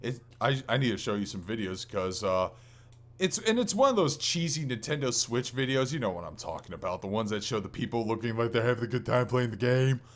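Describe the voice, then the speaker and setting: Animated and fairly quick, a medium-pitched man hosts a gaming podcast in casual chat. He rambles and hesitates, often catching and correcting himself mid-sentence.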